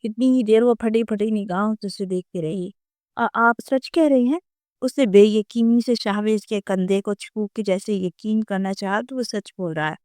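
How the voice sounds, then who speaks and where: A woman narrating a romance novel audiobook in a steady dramatic storytelling voice. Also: mid-range voice, hardly any pauses, dry recording, clean studio sound.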